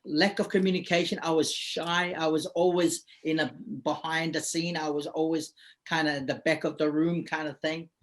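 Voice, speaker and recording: Earnest man from Samoa, higher voice. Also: little pitch movement, normal speed. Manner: earnest, reflective, frequent you-know fillers. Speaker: guest. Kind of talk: webinar interview. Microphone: video call.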